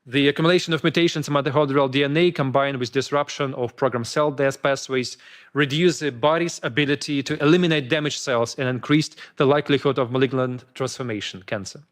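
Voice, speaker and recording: A man's voice: mid-range voice, fairly even intonation. A man giving a prepared scientific presentation at a conference, reading with frequent hesitations and restarts. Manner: reads haltingly with fillers and restarts. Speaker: conference speaker.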